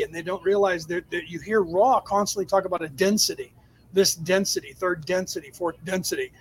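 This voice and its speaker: A man's voice: sits high, slight background noise, rough recording. A man giving an off-the-cuff spiritual talk to a live chat, explaining emphatically in stop-and-start phrases. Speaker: spiritual teacher answering audience questions on a livestream.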